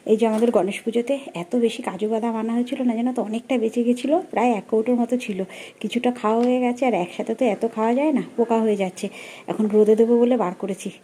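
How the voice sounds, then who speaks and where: A woman's voice: on the high side, fairly even intonation, fast, warm tone, a little hiss or hum. A woman, a mother and family vlogger, chatting casually as she narrates meals and chores around her home. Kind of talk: casual home vlog chat.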